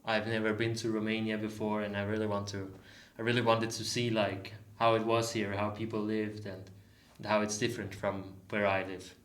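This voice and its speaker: Low-voiced young man, echoey. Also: flat delivery, moderate pace, hardly any pauses, a bit bright. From Denmark. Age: 20s. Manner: rambling with "uh" and "like", restarts. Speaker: volunteer guest. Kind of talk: casual podcast chat. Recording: echoey room.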